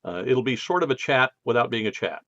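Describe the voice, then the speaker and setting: A man's voice: mid-range voice, expressive, brisk, fairly bright tone, dry recording, highs cut off. An American man hosting a podcast in a casual monologue, his speech slightly slurred by a numb mouth after dental work. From United States. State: left side of face numb from dental visit. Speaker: podcast host.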